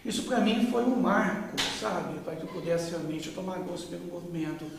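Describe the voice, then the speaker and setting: A man in his fifties from Brazil, recalling his past in an unhurried oral-history interview with many pauses. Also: high-pitched, creaky, noisy background. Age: 50s. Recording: echoey room, mic far off.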